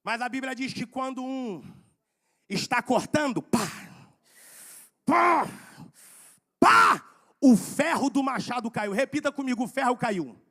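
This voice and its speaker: A man preaching a sermon in a church, swinging from quiet asides to fervent shouted exhortations with slow, drawn-out emphasis. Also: very high-pitched, animated.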